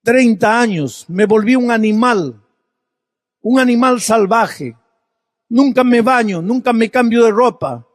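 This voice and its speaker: A male preacher voicing a broken, grieving middle-aged man who speaks in a quiet, halting, mournful way. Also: extremely high pitch, animated, dry recording, clean studio sound, voice pushed up. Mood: despairing.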